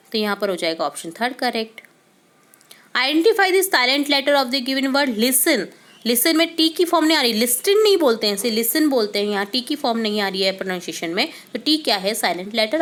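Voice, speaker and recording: A woman teacher going through quiz answers step by step, asking questions and answering them herself, reading English questions slowly and deliberately. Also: fairly high pitch, a bit bright. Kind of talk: quiz answer walkthrough lesson.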